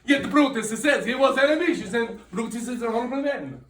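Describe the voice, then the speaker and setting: A man playing an emotional comic foreign funeral orator, halting and melodramatic, in a Shakespeare monologue with broken phrasing. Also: extremely high pitch, lively intonation, fairly bright tone, slight background noise. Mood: anguished. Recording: roomy sound, far from microphone.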